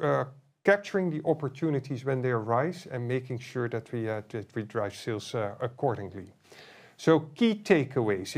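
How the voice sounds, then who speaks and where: A man presenting an earnings call as chief executive, in halting corporate phrasing. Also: medium pitch, a little mellow.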